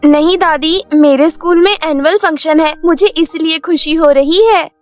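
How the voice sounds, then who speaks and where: Woman as a very high-pitched, meek little girl. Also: steady tone, moderate pace, faint music behind. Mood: polite, hopeful. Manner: polite, innocent, timid. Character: meek, sweet little schoolgirl, motherless and timid. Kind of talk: Hindi cartoon storybook acting.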